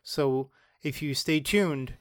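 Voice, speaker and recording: A man co-hosting a podcast, speaking in a measured, clarifying way. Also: a little high, dry recording, studio quality. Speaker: podcast co-host. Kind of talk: casual podcast chat.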